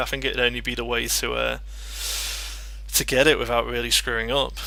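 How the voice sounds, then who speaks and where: A man speaks with a Liverpool accent at a fairly quick pace. Noticeable background noise runs behind him. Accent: mild Liverpool. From England, Liverpool. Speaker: game streamer. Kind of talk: live stream game walkthrough commentary. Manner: casual, many fillers and hesitations.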